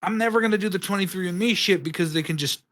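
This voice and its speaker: A man co-hosts a casual podcast, rambling and restarting his sentences as he makes his case. He swears freely, and his voice sits a little higher than most men's. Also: fast talker, fairly bright tone. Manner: rambling, profane, restarts a lot. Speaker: podcast co-host. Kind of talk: casual chat.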